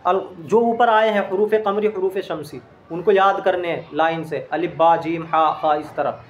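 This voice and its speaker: A man's voice: high voice, normal speed, highs cut off, a little hiss or hum. A man teaching an Arabic grammar lesson in speech, explaining step by step and quizzing his listeners with questions.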